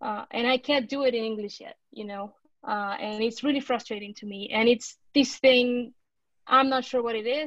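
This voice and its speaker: In an Argentine accent, a woman talks at a moderate pace with a fairly high pitch. The recording is very clean, with a silent background. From Argentina, Córdoba. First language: Spanish. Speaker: lawyer, liberty advocate. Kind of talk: podcast interview. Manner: hesitant, many fillers.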